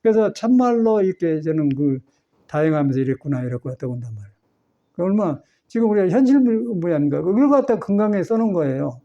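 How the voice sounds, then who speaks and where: A man's voice: high-pitched, big pitch swings, fairly quick, warm tone, muffled recording. A man, a Buddhist monk, giving a folksy Sunday dharma talk in a temple hall, chatty and meandering with frequent chuckles. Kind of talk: folksy sermon.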